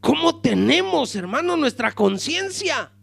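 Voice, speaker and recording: A male pastor preaching a sermon with passion, calling the congregation brothers and swinging from loud to hushed. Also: extremely high pitch, very animated, measured pace, creaky.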